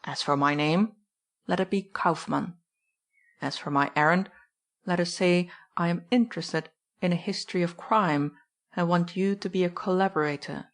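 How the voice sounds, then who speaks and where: A woman reading an audiobook, voicing an urbane, condescending older gentleman in slow, measured lines. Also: on the low side, lightly acted. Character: stately older German gentleman, urbane and smug.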